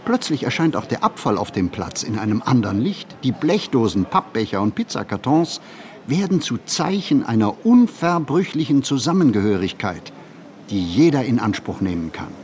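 A man reads a reflective literary monologue for a radio play, phrasing deliberately and expressively with pauses. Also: medium pitch, big pitch swings, darkish tone.

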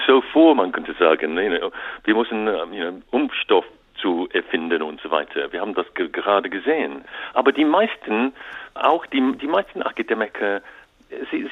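A man calls in as an author, speaking German as a with as his first. He stumbles and restarts often and drops fillers into his sentences. His low, lively voice comes through a tinny phone line. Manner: halting non-native German with repeated restarts and English fillers. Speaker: author and interview guest. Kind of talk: radio interview.

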